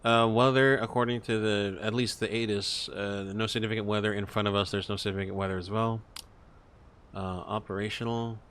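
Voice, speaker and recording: Low-voiced man running cockpit procedures. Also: fairly even intonation, brisk, fairly bright tone. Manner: procedural, hesitant thinking aloud. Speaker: flight simulator streamer playing airline captain. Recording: faint background noise, cockpit ambience.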